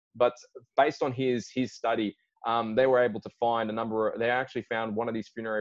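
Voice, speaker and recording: Very fast speech from a man with an Australian accent, in a dry sound with no echo over a quiet background. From Sydney, Australia. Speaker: archaeologist; guest. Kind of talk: interview. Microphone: video call.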